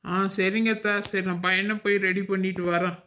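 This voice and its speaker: A man playing a teasing, sharp-tongued young village wife in a cartoon. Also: high-pitched, little pitch movement, moderate pace, muffled recording. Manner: teasing, cheeky. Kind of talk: cartoon voice acting.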